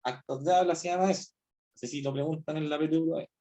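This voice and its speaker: A man's voice: on the high side, fairly even intonation, fast, mellow. A man with a Chilean accent teaching philosophy over a video call. He explains the text step by step and keeps checking in with his class using rhetorical questions. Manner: explanatory, asks rhetorical questions, often says "¿cierto?". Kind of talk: online class lecture.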